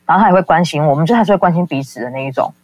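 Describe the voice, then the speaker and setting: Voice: mid-range voice, racing, darkish tone. A caller, telling a personal story in a casual, rambling way, full of fillers and acting out the people quoted. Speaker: call-in guest.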